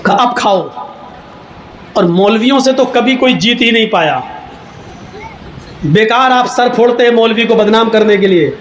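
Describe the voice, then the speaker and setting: A man preaching a humorous storytelling sermon, animated and breaking into shouts for emphasis. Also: sits high. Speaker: Islamic preacher. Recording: echoey hall, faint background noise.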